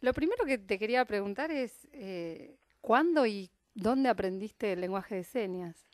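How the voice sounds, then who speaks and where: A woman with an Argentine Spanish accent speaks at an ordinary pitch, friendly and direct. She introduces her guest and puts questions to her. The studio sound is dry and close. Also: expressive, measured pace, dry recording. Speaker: radio interviewer. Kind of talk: radio interview. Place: radio studio.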